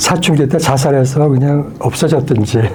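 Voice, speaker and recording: Very slow speech from a man with ordinary pitch variation, amid noticeable background noise and audible room echo. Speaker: church elder. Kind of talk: testimony.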